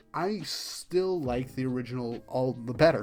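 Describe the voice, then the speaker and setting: Music plays behind a man whose voice sits at a medium pitch. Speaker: anime youtuber. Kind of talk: casual video commentary.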